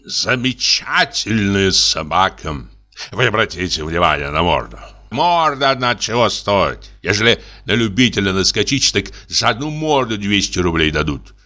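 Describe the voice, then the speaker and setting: A man's voice: on the low side, very animated, normal speed, sharp tone. A man voicing a boastful, pushy, middle-aged army lieutenant who is drinking, exclamatory and wheedling. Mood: boasting. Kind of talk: audiobook character reading.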